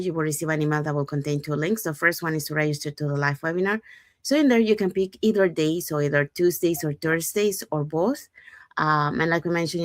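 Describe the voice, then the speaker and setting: A woman's voice: on the low side, fairly bright tone, no echo, clean studio sound. A woman from Panama, co-hosting a show and inviting viewers in an upbeat, repeating way. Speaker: co-host. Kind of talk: scripted show promotion.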